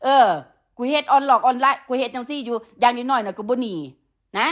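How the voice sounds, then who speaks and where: High-voiced scolding woman with Isan accent. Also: steady tone, a little fast. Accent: Isan (northeastern Thai). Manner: scolding, insulting, with repeated "huh?" and "yeah" tags. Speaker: online content creator. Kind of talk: angry livestream rant to viewers.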